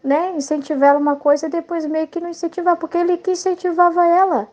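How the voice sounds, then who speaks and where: A woman's voice: very high voice, flat delivery, fast talker, a little mellow. A middle-aged woman with a Brazilian Portuguese accent, sharing an earnest, rambling devotional reflection as a Catholic lay study leader, often tagging questions onto her sentences.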